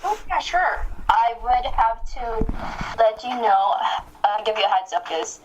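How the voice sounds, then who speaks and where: A woman's voice: fairly high pitch, expressive, a little slow, highs cut off, a little hiss or hum. A young woman chatting casually and animatedly as an interview guest over an internet voice call. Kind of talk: casual chat.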